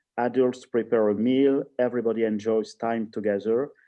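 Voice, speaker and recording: A man speaks at a fairly slow pace in a French accent. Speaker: archbishop. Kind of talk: reading aloud. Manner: halting.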